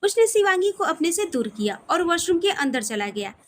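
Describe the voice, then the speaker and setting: High-pitched woman narrating romantic fiction. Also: very animated, normal speed, slight background noise. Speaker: storyteller. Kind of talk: scripted romantic story narration.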